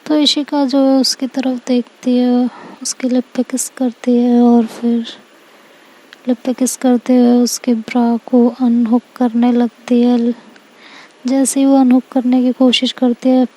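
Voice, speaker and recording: A woman narrating a story in a calm, even way, linking events with frequent small fillers. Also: a little high, measured pace, low-quality recording.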